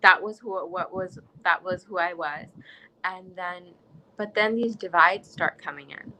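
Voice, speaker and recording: A woman's voice: on the low side, a little slow, pushed and bright, slight background noise, poor audio. A young woman from the United States speaking in an interview, earnest and impassioned, often restarting her sentences. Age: young adult. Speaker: interviewee, student. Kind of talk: conversational interview.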